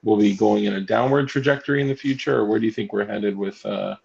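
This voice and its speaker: A man with a raspy voice co-hosting a casual livestream, rambling and halting with lots of fillers. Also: on the low side, darkish tone, highs cut off. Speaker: co-host.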